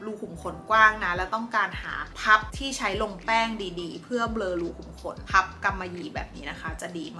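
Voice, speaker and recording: A woman beauty vlogger talking through her favourite products in a loose, friendly chat. Her voice is bright and forward, and she breaks into playful little dramatic asides. Faint music plays quietly behind her. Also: mid-range voice, brisk. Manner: chatty and playful, slips into mock-dramatic asides. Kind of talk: casual product review chat. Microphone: compact camera mic.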